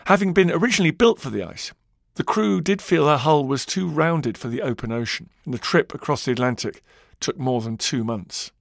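A man narrating a historical documentary in a measured storytelling way that slows for emphasis. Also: on the high side, expressive, creaky, no room sound, studio quality.

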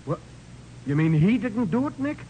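On a slightly noisy vintage radio recording, a folksy cop. His voice sits a bit high for a man, with plain, colloquial, questioning delivery in 1940s crime drama style. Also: big pitch swings, normal speed, dark tone. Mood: inquiring. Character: plain-spoken, folksy male police officer.

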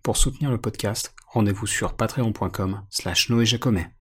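A man's voice: fairly low pitch, moderate pace, husky. A man with a French accent hosting an interview podcast, introducing topics and putting questions to his guest.

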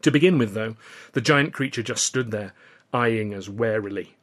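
A man reading scripted first-person audiobook narration of a novel. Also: mid-range voice. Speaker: author reading own novel.

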